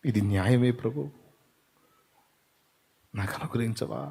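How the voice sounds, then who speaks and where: A man's voice: mid-range voice, a little slow, mellow, breathy edge, in a large hall. A male pastor giving a short devotional message, talking in a pleading, fervent prayer addressed to God. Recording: voice over Carnatic music with tabla.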